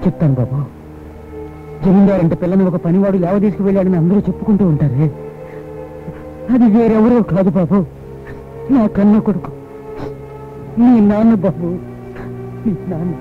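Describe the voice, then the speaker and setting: An actor plays a tender old man who coaxes and pleads softly. His voice sits high. It comes through a tinny, phone-like film soundtrack with music underneath. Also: fast, lightly acted. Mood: confessing. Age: older. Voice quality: tender, coaxing. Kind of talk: Telugu film dialogue.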